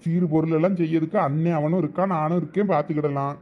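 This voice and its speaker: A man's voice: on the high side, steady tone, fast, phone-quality sound, lightly acted. A man voicing a patient, placating husband and big brother in a cartoon, coaxing in a Thoothukudi Tamil accent. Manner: coaxing, reasoning. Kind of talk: dialect cartoon family comedy dialogue.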